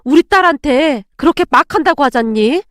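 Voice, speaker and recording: A woman's voice: lively intonation, normal speed, no room sound, studio quality. A woman voicing a scolding older mother-in-law. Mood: scheming. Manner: shrill, scolding.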